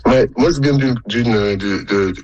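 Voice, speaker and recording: A man's voice: medium pitch, a little slow, a little mellow, no room sound, dull audio. A man from the Congo, a musician guest, talking in an interview with many fillers and restarts. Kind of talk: phone interview.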